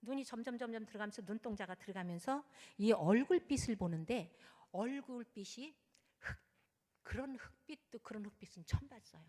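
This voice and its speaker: A woman's voice: fairly high pitch, fairly quick. A woman pastor telling a story in a sermon, acting out the prayers and speech of the people in it. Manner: animated storytelling with acted prayers. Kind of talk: sermon testimony. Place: church sanctuary. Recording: church hall reverb.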